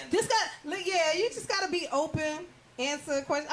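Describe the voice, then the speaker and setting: A woman is heard over noticeable background noise. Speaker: radio host. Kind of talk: casual chat.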